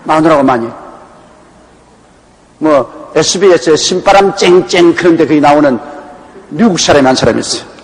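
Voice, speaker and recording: With a voice on the high side, this Gyeongsang-province pastor preaches a Bible exposition sermon at a normal speed, pausing often. He tells it through folksy anecdotes. Faint background noise and echo from the hall are audible.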